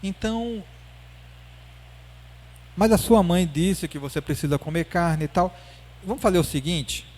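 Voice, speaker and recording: A patient woman psychiatrist coaxes a child into talking, gentle and unhurried, as a man quotes her in a lecture. The voice sits a little high. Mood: coaxing.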